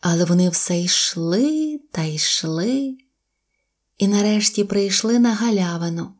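A woman narrating a children's audio tale in a slow, gentle storytelling manner. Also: mid-range voice, lively intonation. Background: faint music.

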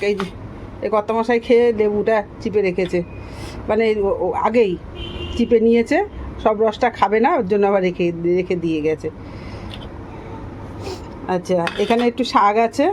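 Woman vlogging, noisy home recording. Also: medium pitch. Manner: repetitive, explaining each step to viewers. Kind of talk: casual vlog chat.

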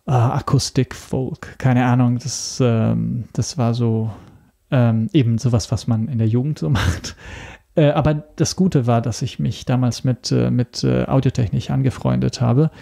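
Gravelly, hesitant man. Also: mid-range voice, warm tone. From Italy. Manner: hesitant, searching for words. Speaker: podcast guest. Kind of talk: casual interview talk.

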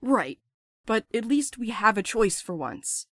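A woman's voice: a little high, big pitch swings, unhurried, no echo, full character voice. A woman playing a restless, blunt courier in an audio drama, urgent and sardonic, eager to escape. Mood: eager, insistent.

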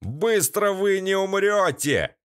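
A man voicing a crude, nasal-voiced bandit leader who shouts mocking taunts in an audiobook. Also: high voice, big pitch swings, slow pace, voice pushed up, exaggerated voice. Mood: jeering taunts.

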